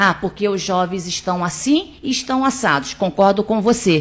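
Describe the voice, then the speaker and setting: A woman with a somewhat breathy, medium-pitched voice talks at a moderate pace with lively intonation and hardly any pauses. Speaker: behavioral psychologist, interview guest. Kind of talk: radio interview answer.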